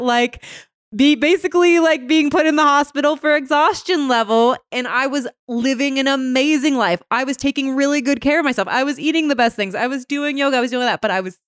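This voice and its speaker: A woman's voice: sits high, clear, resonant tone, no echo. Chatty woman podcast host, dry sound. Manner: chatty, lots of "like" fillers, animated. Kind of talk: casual conversational interview.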